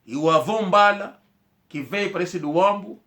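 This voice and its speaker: Man, slightly high voice, casual rambling storyteller who repeats himself and acts out what people said. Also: normal speed, a bit bright. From Angola. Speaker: commentator telling a personal story.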